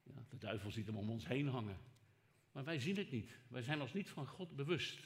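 A man preaching a sermon as pastor, emphatic and rhetorical, swinging from raised to hushed delivery and speaking straight to his listeners. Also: mid-range voice, lively intonation, moderate pace. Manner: rhetorical, addresses listeners directly.

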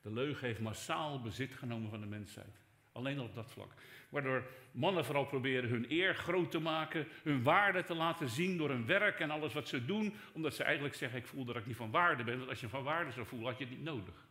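An older man preaching a sermon as pastor, conversational, dropping to soft asides and rising for emphasis. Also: medium pitch, brisk, hardly any pauses. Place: church hall. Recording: echoey church hall.

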